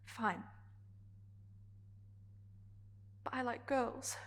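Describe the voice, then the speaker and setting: A woman performing a dramatic stage monologue as a vulnerable, defiant gay woman confronting a partner, in halting, emotionally charged phrases. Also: mid-range voice, fairly even intonation. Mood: pleading, firm.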